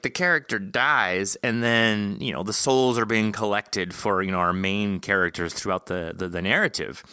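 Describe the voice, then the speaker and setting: Bright-voiced man hosting a casual podcast. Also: medium pitch, no room sound, clean studio sound. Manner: thinks aloud, rambling, posing questions. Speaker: podcast host interviewing an author. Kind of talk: casual conversational interview.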